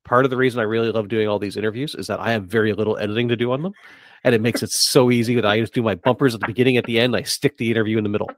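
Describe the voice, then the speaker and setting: A man's voice: lowish voice, fairly even intonation, no echo. A man hosting a casual podcast interview in a chatty, teasing manner, often restarting his phrases. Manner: joking, teasing, halting repeated starts.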